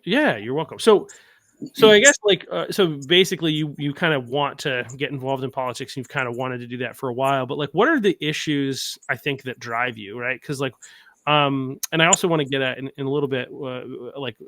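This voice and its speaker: A man hosting a podcast, chatting loosely with plenty of fillers and restarts. His voice is bright and forward, recorded dry and close to the mic. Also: medium pitch, fast talker, dry recording. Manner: rambling, many fillers and restarts. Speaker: podcast host. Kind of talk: casual interview.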